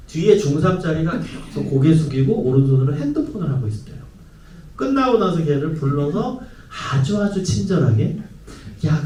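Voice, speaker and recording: A man's voice: fairly high pitch, distant mic. A middle-aged man gives a parenting lecture to a church audience, putting questions to the listeners and acting out what people say. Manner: lively, asks the audience questions and acts out quoted speech. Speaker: guest lecturer, professor. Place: church hall. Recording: roomy hall, voice a bit off the mic, faint background hum.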